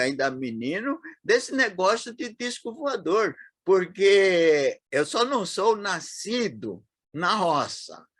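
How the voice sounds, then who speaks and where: A man in his eighties with a São Paulo accent, reminiscing as an interview guest, talking haltingly with frequent restarts and fillers. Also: high voice, a bit bright, breathy edge, dry recording, clean studio sound. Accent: Paulistano Brazilian Portuguese. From São Paulo, Brazil. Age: 80s.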